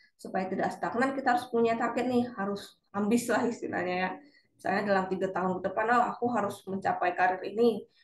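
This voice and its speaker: A woman speaks at a very fast pace. Her voice is somewhat breathy, with fairly even intonation. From Sumatra, Indonesia. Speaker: civil servant presenting a book review. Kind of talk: book review presentation. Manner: casual, with fillers.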